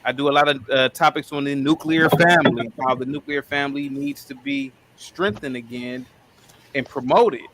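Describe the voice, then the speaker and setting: A man's voice: mid-range voice, moderate pace, heavy background noise. A man in his thirties from Ohio, calling into a live stream and talking about his own channel in an earnest, rambling way, often saying sir. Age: 30s. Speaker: caller, streamer. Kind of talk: casual live-stream chat.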